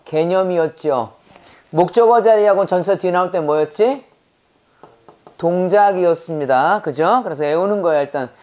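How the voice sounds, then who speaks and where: Woman teacher, Korean accent, rapid quiz questions, slow drilled English phrases. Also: fairly low pitch, darkish tone. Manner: quizzing students with rapid rhetorical questions. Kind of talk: classroom grammar lecture.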